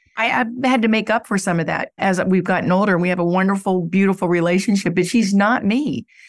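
The speech runs at a very fast pace with hardly any pauses, very even loudness and ordinary pitch variation. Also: woman, medium pitch for a woman. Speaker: podcast host. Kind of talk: casual chat. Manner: talkative.

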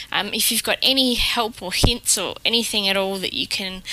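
A woman's medium-pitched voice with an Australian accent, ordinary pitch variation and a moderate pace. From Australia (Melbourne). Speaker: caller, hobby podcaster. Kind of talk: recorded voicemail question.

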